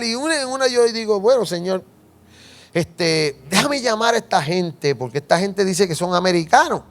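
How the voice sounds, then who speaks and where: A Puerto Rican man, a pastor, telling a personal testimony in a sermon and asking the congregation questions. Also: high voice. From Puerto Rico. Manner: animated storytelling, asks the congregation questions.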